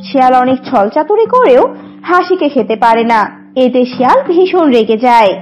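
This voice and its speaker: High, animated woman storyteller. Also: moderate pace, dull audio, soft background music. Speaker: narrator. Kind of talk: scripted children's story narration.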